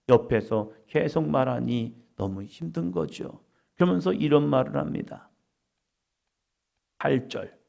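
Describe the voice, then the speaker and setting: A male pastor giving a gentle, conversational sermon at a daily prayer meeting, with frequent rhetorical asides to the congregation. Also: on the high side, vocal fry.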